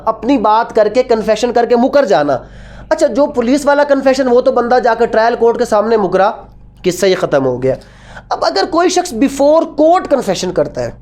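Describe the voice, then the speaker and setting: Female law lecturer, Pakistani accent, fairly high voice. Teaches by posing questions, then answering and restating, slipping between two languages. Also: darkish tone. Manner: didactic, repeats points and questions, switches between Urdu and English. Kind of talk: classroom lecture with rhetorical questions.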